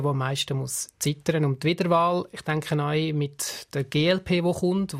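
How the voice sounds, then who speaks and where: Male radio pundit, Swiss German accent, higher-than-average pitch, measured and explanatory. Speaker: political scientist interviewed as analyst. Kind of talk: radio interview analysis.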